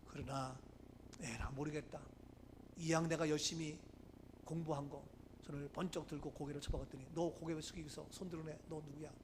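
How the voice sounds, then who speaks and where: A high-voiced pastor preaching with animated swings. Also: male voice, background noise. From Gangwon Province, Korea. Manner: animated storytelling, swings from hushed asides to loud preaching. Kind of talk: sermon. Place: church sanctuary.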